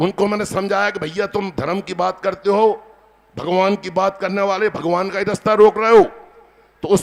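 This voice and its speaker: The delivery is monotone and flat, with noticeable background noise behind it. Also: man. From Madhya Pradesh, Chanderi area. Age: 60s. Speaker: politician, former legislator. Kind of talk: political rally speech. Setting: stage with audience. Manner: loud, fiery.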